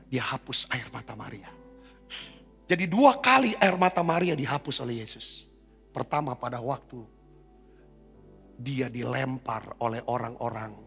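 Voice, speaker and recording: A man's voice: medium pitch, vocal fry, a bit bright, in a large hall. A male pastor preaching a sermon in a conversational, exhorting way, often calling for an amen and asking rhetorical questions. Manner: exhorting, repeatedly asks for amens.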